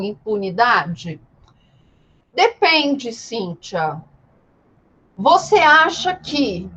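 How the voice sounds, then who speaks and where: A woman's voice: fairly high pitch, fairly bright tone, muffled recording, a little hiss or hum. A woman with a Brazilian Portuguese accent giving an informal live law lecture, explaining didactically with rhetorical questions and repetition. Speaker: law teacher.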